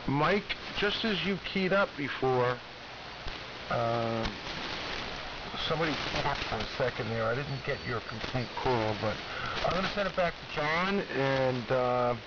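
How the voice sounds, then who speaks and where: A man's voice: mid-range voice, measured pace, heavy background noise. American man on muffled, staticky AM radio. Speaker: amateur radio operator. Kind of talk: casual ham radio chat. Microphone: ham radio transmission.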